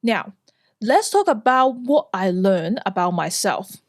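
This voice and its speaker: A woman's voice: medium pitch, very animated, slow, no room sound, clean studio sound. A woman from Hong Kong, a flight instructor, narrating a scripted vlog in an earnest, enthusiastic way.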